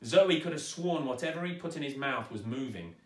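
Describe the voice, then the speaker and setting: A man narrating a children's story aloud with dramatic, expressive delivery, recorded in a roomy space at some distance. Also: mid-range voice, fairly quick. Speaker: storyteller, actor reading aloud. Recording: roomy echo, distant microphone.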